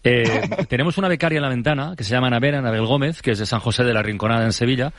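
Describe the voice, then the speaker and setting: A man hosting a radio interview, quick and chatty, joking as he goes. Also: mid-range voice, fairly bright tone, no echo, clean studio sound. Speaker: radio host.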